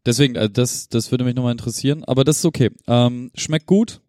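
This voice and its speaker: A man's voice: medium pitch, fast, a little mellow, no room sound, clean studio sound. A man in his thirties co-hosting a podcast, blunt and joking in casual chat. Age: 30s. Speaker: podcast co-host.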